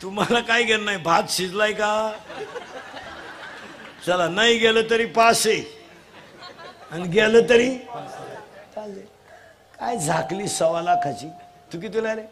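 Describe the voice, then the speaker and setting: A man giving a comic kirtan sermon, teasing and quizzing the children in the crowd and demanding loud answers. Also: high voice, measured pace, pauses often, slight background noise. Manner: bursts into shouts at times. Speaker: kirtan preacher. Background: audience sounds.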